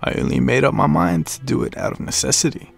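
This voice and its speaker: A man's voice: mid-range voice, lively intonation, fast, gravelly, soft background music. A man voicing a devoted, worried husband in a storybook tale, speaking humbly and earnestly. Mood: pleading.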